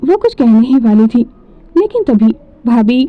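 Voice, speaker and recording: Pitch varies in an ordinary way as the speaker keeps a moderate pace. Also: woman. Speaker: storyteller narrator. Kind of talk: romantic audio story narration.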